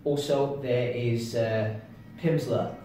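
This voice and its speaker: A man's voice: mid-range voice, steady tone, slow, dark tone, slight background noise. A man from Britain co-hosting a casual chat with a dry, understated manner and many hesitant fillers. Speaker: co-host. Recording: echoey room, distant mic, faint music.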